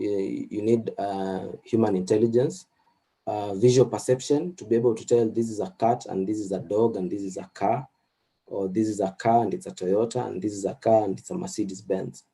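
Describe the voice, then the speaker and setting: A man whose first language is Swahili, lecturing slowly and thinking aloud through frequent fillers and restarts. His voice sits a little low and has a mellow, relaxed tone. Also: creaky. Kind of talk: recorded lecture with slides.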